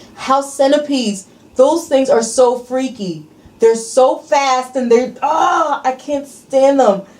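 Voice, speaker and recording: A woman's high-pitched voice at a very slow pace, ordinary pitch variation, and noticeable background noise. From Jamaica, moved to US at eight. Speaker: vlogger. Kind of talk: casual chat.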